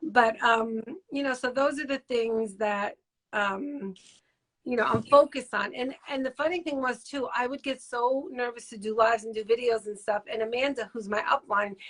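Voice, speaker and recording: A woman's high-pitched voice in a New Jersey accent, at a moderate pace. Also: ordinary pitch variation. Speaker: network marketer. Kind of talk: casual chat. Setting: live stream.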